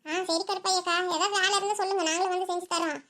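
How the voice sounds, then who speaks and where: A woman's voice: extremely high pitch, fairly even intonation, racing, fairly bright tone. A woman voicing all the characters of a village family cartoon in chatty, fussing banter. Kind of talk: cartoon voice acting.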